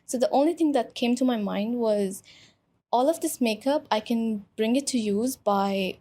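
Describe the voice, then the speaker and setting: A woman's voice: on the high side, normal speed, mellow. A young woman from Pakistan, a guest in an interview, telling her story in a chatty way with many fillers. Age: young adult. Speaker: guest, influencer. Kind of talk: casual interview conversation.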